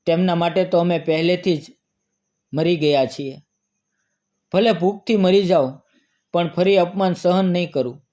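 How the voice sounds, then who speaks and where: A grieving, proud old widow, as a male storyteller reads her lines. She speaks quietly and sorrowfully, a little high for a man's voice, in a plain storybook reading. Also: measured pace, long pauses, highs cut off. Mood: bitter resolve.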